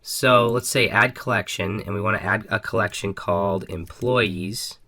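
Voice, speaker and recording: Upbeat man with a bright, slightly raspy voice. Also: on the low side, fairly even intonation, moderate pace. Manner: upbeat, casual, frequent ums and restarts. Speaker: coding tutorial host. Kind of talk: screen-recorded coding walkthrough.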